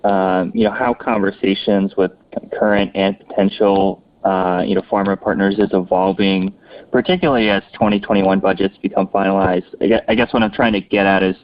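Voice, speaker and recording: A man with a fairly low, very flat voice puts questions as an analyst on an earnings call. His phrasing is polite and roundabout, and the connection sounds slightly dull. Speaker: financial analyst asking questions.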